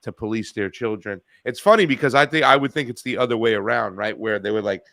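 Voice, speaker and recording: A man hosting a call-in talk show, chatting casually, rambling and profane, getting loud and animated when he rants. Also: on the low side, fast talker, gravelly, no echo, studio quality. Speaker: radio show host.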